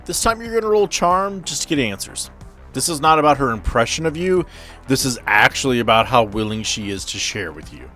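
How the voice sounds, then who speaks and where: A man's voice: medium pitch, big pitch swings, brisk, sharp tone. A man speaking as game master, improvising narration and explaining rules at a tabletop role-playing game. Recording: music behind the voice. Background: music.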